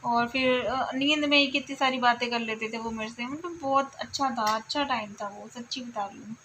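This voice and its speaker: A woman vlogger talking softly and reflectively to her viewers while lying down at home, often repeating herself. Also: a little high, steady tone, normal speed, background noise. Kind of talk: casual confiding chat to viewers.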